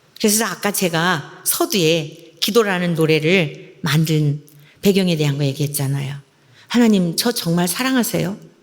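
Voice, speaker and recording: A woman speaks at a fairly slow pace with a fairly low pitch and a somewhat breathy voice. Her tone is animated and her intonation lively. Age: 60s. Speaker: pastor. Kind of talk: sermon.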